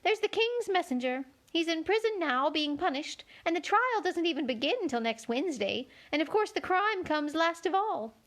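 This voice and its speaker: A woman reading aloud and voicing the White Queen, a flustered, helpless older queen who talks in a high, plaintive, fluttery voice. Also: very animated, normal speed, hardly any pauses, a bit bright, full character voice. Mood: triumphant.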